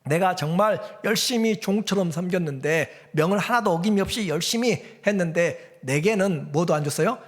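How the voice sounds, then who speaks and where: A man's voice: fairly high pitch, in a large hall. A male pastor giving a sermon in a conversational way, asking the congregation rhetorical questions. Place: church sanctuary.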